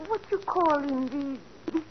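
A lilting French maid. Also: female voice, sits high, lively intonation, unhurried. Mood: earnest. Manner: broken English, eager to explain. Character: young female French lady's maid, earnest. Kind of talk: 1940s radio acting. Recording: dull old radio broadcast with faint hiss.

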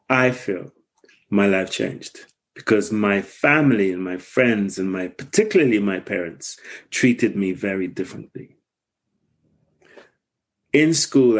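A man from Guyana, a podcast guest, reflectively telling his life story with some halting restarts. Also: on the low side.

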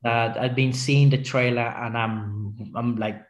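A man's voice: mid-range voice, fairly even intonation, roomy sound. Mexican man with British-tinged English. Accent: Mexican Spanish mixed with British English. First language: Spanish. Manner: halting, restarts phrases. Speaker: podcast guest. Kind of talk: casual chat.

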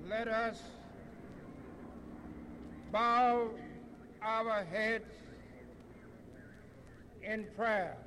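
Slow, solemn praying minister. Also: male voice, sits high, fairly even intonation, bright, forceful tone, slight background noise. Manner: slow, solemn, cadenced preaching. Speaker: minister giving a benediction. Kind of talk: prayer. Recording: long echo of an outdoor public address.

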